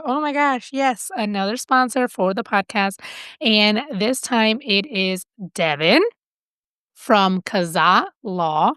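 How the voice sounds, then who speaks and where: Woman, podcast host, upbeat, effusive, smooth voice, dry close sound. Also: medium pitch, a bit bright, dry recording. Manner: upbeat and effusive, repeats thanks. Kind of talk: podcast interview and sponsor announcement.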